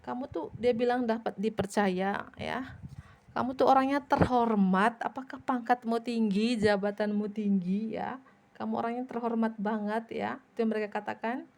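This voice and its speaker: Warm-toned woman reading tarot. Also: a little high, steady tone, moderate pace, slight background noise. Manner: addresses viewer directly, repeats tag "ya" often. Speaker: tarot reader. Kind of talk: tarot card reading for viewers.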